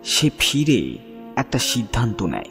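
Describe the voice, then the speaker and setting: A man narrating a scripted horror story in a solemn, measured, dramatic way with pauses. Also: mid-range voice, huge pitch swings, gravelly. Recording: long reverb, music bed behind voice.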